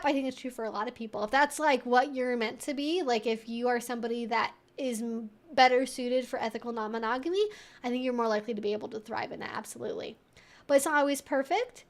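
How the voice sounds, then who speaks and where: A woman hosting a live Q&A, talking casually and explaining things in a conversational, animated way, often acting out imagined thoughts. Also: on the high side. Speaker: host of a weekly live Q&A stream. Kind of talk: casual educational chat, answering viewers.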